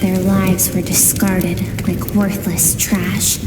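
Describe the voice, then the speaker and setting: Slow, wistful female storyteller. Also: on the low side, little pitch movement, very noisy. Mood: sorrowful, grave. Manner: measured, sighing, sorrowful. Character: wistful female storyteller recounting a tragic past. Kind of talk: scripted video game narration. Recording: long echoing reverb with music.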